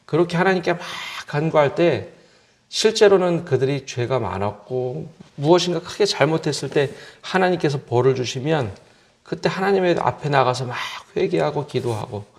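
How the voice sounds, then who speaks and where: A male pastor giving an early-morning sermon in church, reading scripture and voicing the psalmist's laments in first person. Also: medium pitch.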